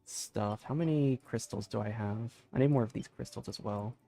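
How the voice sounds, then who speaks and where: A man's voice: mid-range voice, normal speed, creaky, soft background music. Chatty young male game streamer. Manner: chatty, talks to viewers, bursts into laughter and excited shouts. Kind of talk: casual gaming livestream chat. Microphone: desk mic with limiter filter.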